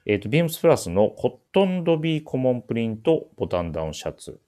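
A man hosting a menswear shop radio show, talking casually and politely about clothes, often pausing to think aloud. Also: medium pitch, very animated, dark tone. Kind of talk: casual radio-style talk introducing clothes.

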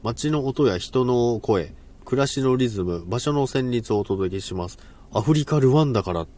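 A man's voice: mid-range voice, animated, moderate pace, darkish tone. A man hosting a casual live stream, polite and self-deprecating, laughing often and stumbling over words.

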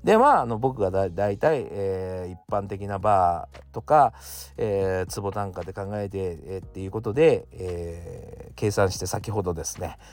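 A low-voiced man talks casually on his own show. His pitch swings widely as he goes, and he leans on fillers and soft chuckles between thoughts. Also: animated, moderate pace. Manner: chatty, many fillers, chuckles often. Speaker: podcast host. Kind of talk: casual solo talk.

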